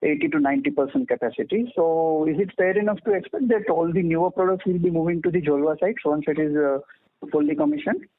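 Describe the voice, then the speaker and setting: A man's voice: fairly high pitch, very animated, fast talker. A man with an Indian accent calling in as an individual investor, asking methodical, polite questions on an earnings call. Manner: polite, methodical, checks his reasoning. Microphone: phone call. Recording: dry, thin phone-line sound.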